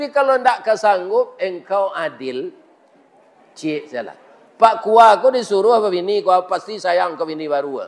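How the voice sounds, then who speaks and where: A man with a West Sumatran accent speaks at a high pitch with lively intonation. His pace is moderate. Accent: Minangkabau. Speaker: Islamic preacher. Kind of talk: humorous religious sermon to an audience.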